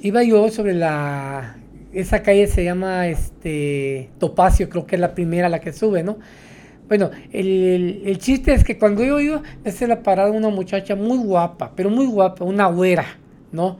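High-voiced man spinning a tale. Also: moderate pace, mellow, slight background noise. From Mexico. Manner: rambling, tags sentences with "¿no?". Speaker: taxi driver guest. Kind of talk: storytelling interview.

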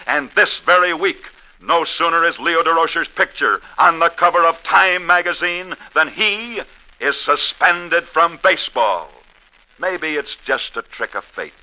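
A man's voice: a little high, pushed and bright, rough recording. A man hosting a sports radio show, narrating scripted stories in a dramatic, declamatory way.

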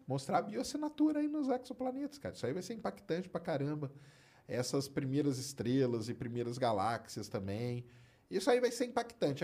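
A Brazilian man answers questions about space in an easygoing, explanatory manner. His voice is husky and sits slightly high. He moves around a lot in pitch. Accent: Brazilian Portuguese. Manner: relaxed, explanatory, tags phrases with "né" and "cara". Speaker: astronomy expert answering viewer questions. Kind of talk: casual live-stream chat.

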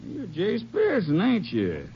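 Muffled old radio western audio of an insolent jailed deputy. His raspy voice swoops wildly as he taunts with drawn-out mock friendliness. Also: sits high, huge pitch swings, full character voice. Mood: taunting. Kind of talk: 1950s radio western acting.

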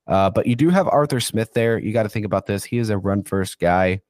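A man's voice: lowish voice, fairly quick, darkish tone, no echo. Stuffy-nosed man ranting about football. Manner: rambling, goes on rants, says "dude". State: stuffy, congested from illness. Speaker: football insider guest. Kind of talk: casual podcast chat.

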